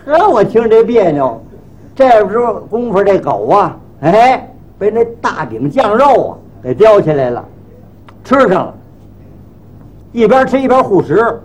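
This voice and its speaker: A man's voice: high voice, unhurried, low-quality recording. A male comic performer telling a crosstalk story in the first person, acting out his own exasperation with a bumbling barber. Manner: lively, exasperated comic narration.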